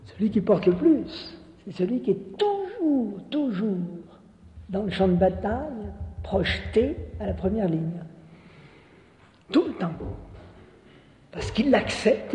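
A man's voice: high-pitched, warm tone. A man giving a spiritual teaching talk in an earnest manner, often repeating words and tossing in little "hein" asides. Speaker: preacher. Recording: reverberant hall.

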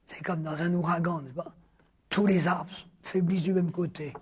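A man with a very husky, breathy voice delivers a philosophy lecture in deliberate, stretched-out phrases. He keeps returning to key words for emphasis and sometimes sinks into a hushed near-whisper. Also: on the high side, steady tone. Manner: deliberate, drawn-out phrasing with sudden hushed drops.

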